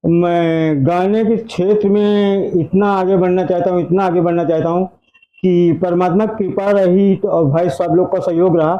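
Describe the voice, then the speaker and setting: A man's voice: high voice, steady tone, moderate pace, highs cut off. A man in his fifties, a guest hoping to become a singer, answering earnestly in long rhetorical lists. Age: 50s. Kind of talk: earnest interview answers, folk song.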